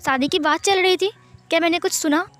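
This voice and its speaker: A woman's voice: very high-pitched, brisk, fairly bright tone. A woman voicing a curious young pregnant woman who asks about some news in a fan story reading. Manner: inquisitive.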